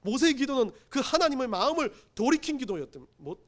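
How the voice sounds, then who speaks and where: High-voiced, lively pastor preaching. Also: male voice, brisk. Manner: emphatic, acts out pleading quotes; self-deprecating asides. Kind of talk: sermon. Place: church sanctuary.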